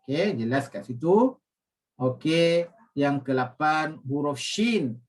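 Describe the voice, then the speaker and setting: A Malaysian man teaching Quran recitation rules, explaining with many fillers and reciting the words slowly and carefully. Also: a little high, expressive, recorded from a distance. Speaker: religious teacher.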